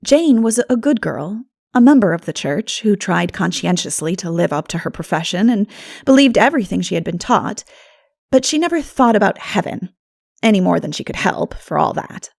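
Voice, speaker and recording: Lady reading an old novel audiobook, expressive, bit of vocal fry, dry close sound. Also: mid-range voice, moderate pace, no echo. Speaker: audiobook narrator. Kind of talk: expressive scripted narration of a classic novel.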